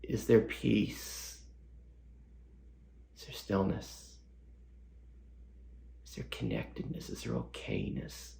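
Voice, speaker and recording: Slow, gravelly man guiding meditation. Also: fairly low pitch, sing-song, echoey room. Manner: slow, soft and unhurried, full of pauses and gentle questions. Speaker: meditation teacher. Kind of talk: guided meditation.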